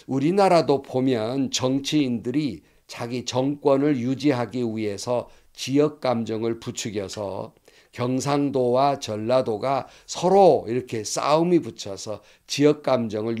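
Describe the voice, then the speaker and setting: A man's voice: mid-range voice, measured pace, a little mellow. Man preaching an earnest sermon. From Korea. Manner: earnest storytelling, quoting dialogue aloud. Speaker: pastor.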